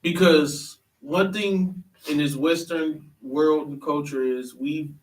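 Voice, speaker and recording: A man's voice: on the high side, fairly even intonation, slow. A man hosting a church panel discussion, talking earnestly and emphatically, often restarting his sentences. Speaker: panel host. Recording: echoey room, mic at a distance.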